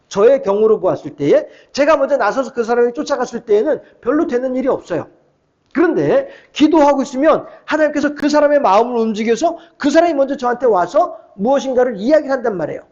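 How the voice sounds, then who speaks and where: A man's voice: extremely high pitch, darkish tone, lo-fi sound. A middle-aged male pastor preaching a midweek sermon in a conversational way, often putting questions to the congregation.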